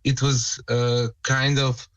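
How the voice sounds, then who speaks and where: A man from Serbia with a Serbian accent, giving casual feedback on music in a halting, repetitive way. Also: medium pitch, level tone, a bit bright, dull audio. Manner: halting, repeats words. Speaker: music reviewer on a show.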